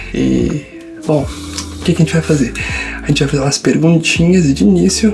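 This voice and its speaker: A man's tired, relaxed tone at a moderate pace, with music in the background. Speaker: ASMR content creator. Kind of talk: casual talk to camera, soft-spoken ASMR conversation.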